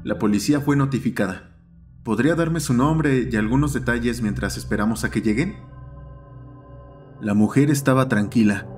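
A man with a mid-pitched voice narrates a scripted horror story in the first person, as an emergency dispatcher. Faint dark ambient music runs behind him.

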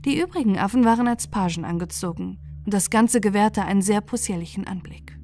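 Gentle woman reading a bedtime fairy tale. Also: mid-range voice, animated. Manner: soft, gentle, unhurried reading. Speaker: audiobook narrator. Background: faint music.

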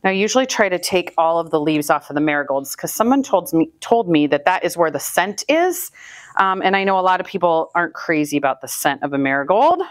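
Talking a little fast in a fairly low, animated voice, a flower farmer and channel host in her thirties from Northwest Iowa, US Midwest, chats to the camera while building bouquets. It's upbeat, casual how-to narration in an indoor room with flower buckets, recorded dry by a distant hands-free camera.

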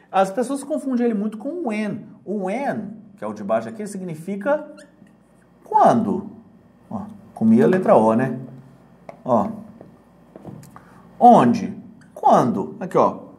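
A man with a Brazilian Portuguese accent teaching English for an exam in a casual, joking way. He reads English examples slowly and translates them. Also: sits high, dark tone. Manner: casual, joking, keeps checking "entendeu?". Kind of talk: online lesson.

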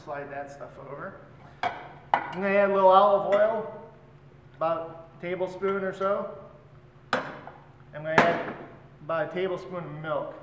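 A man in his forties teaches a cooking class, talking casually as he cracks eggs and mixes dough. His voice sits a little high and reaches the camera from across a large, reverberant hall. Steady background noise runs under the recording. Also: unhurried, pauses often. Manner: relaxed, explains while working with his hands. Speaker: chef instructor. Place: large hotel function room, indoors. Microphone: far camera. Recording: echoey hall, voice from far off, loud background noise.

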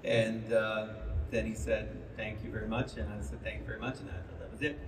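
A man with a mid-range voice telling self-deprecating stories on a panel. He sounds far away through a booming hall. A clear hum of noise sits under him. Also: monotone, a little fast. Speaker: show creator on a panel. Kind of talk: casual anecdotes on stage. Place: large convention hall. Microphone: handheld mic, filmed from the audience over the PA.

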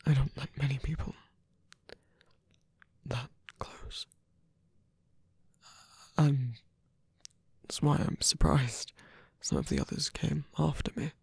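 Man acting a very breathy, hesitant villain in love. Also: mid-range voice, fairly even intonation, a little mellow, no room sound, exaggerated voice. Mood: guarded, tender. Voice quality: breathy, often dropping to a whisper. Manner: halting, hesitant delivery with pauses. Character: guarded, lovestruck male villain, hesitant and tender. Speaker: ASMR roleplay voice actor. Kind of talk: ASMR romantic roleplay, intimate and halting. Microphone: close dry microphone.

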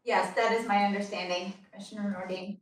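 A woman's voice: mid-range voice, fairly even intonation, a little fast, recorded from a distance, background noise. Hedging woman on an echoey video call. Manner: careful, hedging, with frequent ums. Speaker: district finance staff presenting the budget. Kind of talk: explaining budget details at a board meeting.

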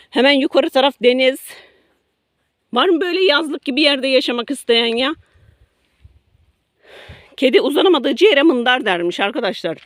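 A woman's voice: high voice, no room sound, clean studio sound. A middle-aged woman vlogging from her garden to her followers, talking emotionally, first indignant, then apologetic, often repeating herself. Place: garden by a road near woods.

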